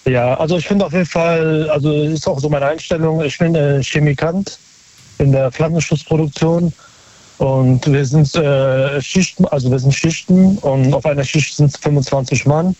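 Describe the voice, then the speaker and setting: A male caller speaks over a dull, narrow phone line, his voice sitting a bit high and soft-edged. He talks hesitantly and guardedly, filling gaps with uhs. The sound is dry, with no room around it. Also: fairly even intonation, moderate pace, no echo. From near Cologne, Germany. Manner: hesitant, many fillers, guarded. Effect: heard over a phone line. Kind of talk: phone-in chat.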